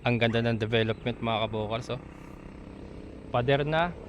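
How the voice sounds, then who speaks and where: A man vlogging a casual walking tour of a land development outdoors, chatty and quick to laugh as he points things out to his viewers. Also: medium pitch, low-quality recording. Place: outdoors at a rural lot by a road. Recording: outdoor phone recording with loud traffic noise.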